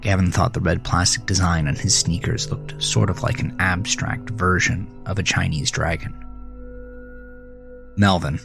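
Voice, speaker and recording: A man narrating scripted horror fiction in a deliberate, dramatic storytelling manner. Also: low-pitched, vocal fry, fairly bright tone. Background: music.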